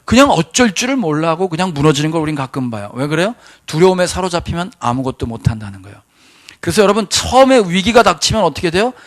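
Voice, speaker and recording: Animated pastor, man, slightly high voice. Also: quick pace. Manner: animated, rhetorical questions to the congregation. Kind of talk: sermon. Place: church sanctuary.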